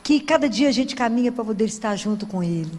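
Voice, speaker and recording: A woman's voice: fairly high pitch, animated, quick pace, a little mellow. A woman preaching a sermon in a church, earnest and conversational, asking her listeners many rhetorical questions. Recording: long hall reverb in a church.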